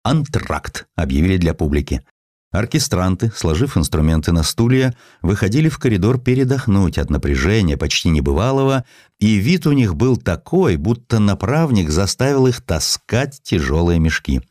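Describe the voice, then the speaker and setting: A male narrator reads literary prose with theatrical flair. His voice is low and swings widely in pitch, captured in a very dry recording. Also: moderate pace, no room sound. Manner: theatrical, expressive storytelling. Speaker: audiobook narrator. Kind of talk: dramatic scripted literary narration.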